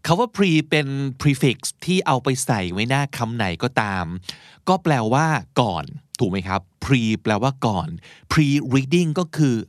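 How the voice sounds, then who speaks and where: Lively dry-voiced Thai man teaching. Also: medium pitch, dry recording. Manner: chatty and encouraging, explains slowly with pauses. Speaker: podcast host. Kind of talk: casual English lesson.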